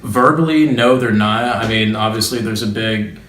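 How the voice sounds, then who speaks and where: A young man from the United Arab Emirates answering interview questions in a relaxed, hedging way, with plenty of fillers. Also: on the low side, moderate pace, soft background music. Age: young adult. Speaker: student interviewee. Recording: echoey room.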